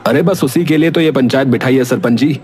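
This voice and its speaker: A man playing a take-charge village man, mid-pitched. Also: a little fast, a little mellow, lightly acted. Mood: practical. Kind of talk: animated moral story dialogue.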